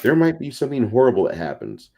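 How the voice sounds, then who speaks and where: A man's voice: medium pitch, wildly swooping pitch, fast talker, creaky, warm tone. A man talking casually and emphatically as an opinionated, salty-tongued panelist on a tabletop gaming show. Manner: foul-mouthed, emphatic. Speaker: podcast panelist.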